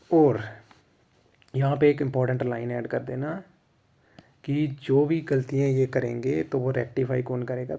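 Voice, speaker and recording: A man's voice: mid-range voice, dark tone. A man with an Indian accent explains a lesson plan in casual instructional Hindi mixed with English, often checking "theek hai".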